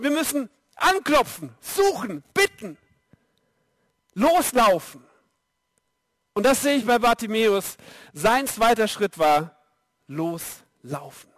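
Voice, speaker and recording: A young man preaching a sermon, lively and speaking straight to his audience. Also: very high voice, no echo. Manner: lively, direct address to the audience.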